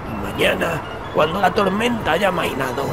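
An actor playing a cautious, stubborn small-town local man in an audio drama, firm and deliberate as he speaks. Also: on the high side, sing-song, heavy background noise. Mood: cautionary.

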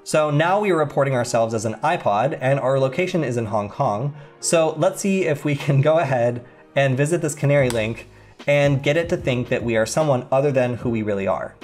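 A young man talks through a computer tutorial in a loose, conversational way. His voice sits in an ordinary middle register, and he often stops to think out loud as he clicks through. Quiet music plays faintly behind him. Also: mid-range voice, a little fast. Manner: conversational, thinking aloud while demonstrating. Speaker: tutorial host. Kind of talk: screen-recorded tech tutorial.

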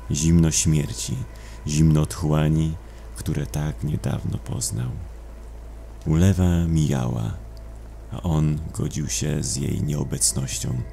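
Mężczyzna, narrator słuchowiska grozy, opowiada ponuro i miarowo. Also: male voice, extremely low pitch, gravelly, warm tone, a little hiss or hum. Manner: somber, measured storytelling. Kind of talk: scripted horror audio drama narration. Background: music.

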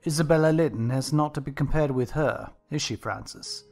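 A woman voicing a pompous, condescending gentleman, master of the house, in a dramatized audiobook. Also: deep voice, a little fast, creaky, faint music behind, voice pushed down. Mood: admiring. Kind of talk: dramatized audiobook character reading.

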